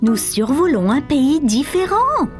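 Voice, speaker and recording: A woman voicing a calm, caring young mother who patiently reassures her son in a children's cartoon. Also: high-pitched, unhurried, soft background music. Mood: reassuring.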